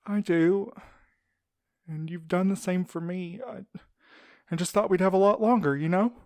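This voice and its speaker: An actor in an audio drama playing a tender, grieving man who speaks haltingly and pleads with his lover. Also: sits high, darkish tone, no echo, natural voice. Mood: sad.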